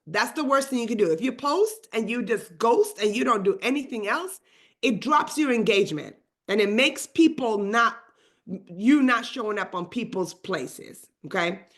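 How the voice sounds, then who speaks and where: A woman whose first language is Swedish, leading a live online training session in a fast, energetic and chatty way, full of asides. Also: fairly high pitch. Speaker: real estate trainer.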